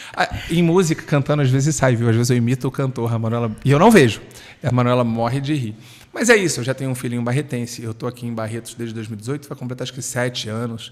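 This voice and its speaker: In an animated tone, the speaker rushes along at a very fast pace. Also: man, medium pitch for a man. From Rio de Janeiro, Brazil (born in Rio Grande do Sul). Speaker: family doctor. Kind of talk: podcast interview.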